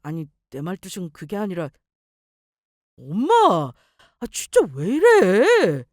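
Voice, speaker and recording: A woman's voice: fairly high pitch, big pitch swings, moderate pace, no room sound, studio quality. A woman voicing an irritated grown son who whines and complains. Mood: exasperated. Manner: whining, exasperated complaints.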